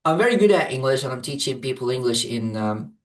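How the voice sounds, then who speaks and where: A man's voice: medium pitch, animated, fast, recorded from a distance. A man who grew up in Saudi Arabia and whose first language is Arabic, answering interview questions hesitantly, with many fillers and restarts. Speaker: program client, English teacher.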